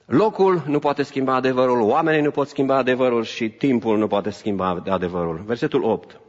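A man preaching a sermon to his congregation, moving between raised emphatic lines and quieter asides, with a few English phrases mixed in. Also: medium pitch. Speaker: pastor. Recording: reverberant hall, dull lo-fi sound.

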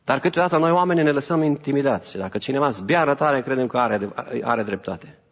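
A man preaching a sermon to his congregation, moving between raised emphatic lines and quieter asides, with a few English phrases mixed in. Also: medium pitch, lively intonation. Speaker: pastor. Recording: reverberant hall, dull lo-fi sound.

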